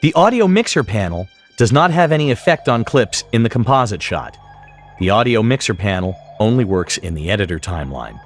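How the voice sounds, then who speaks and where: A man with a fairly low voice narrates a scripted tutorial. His intonation moves in a lively way while he explains things precisely, like an instructor, with some music behind him.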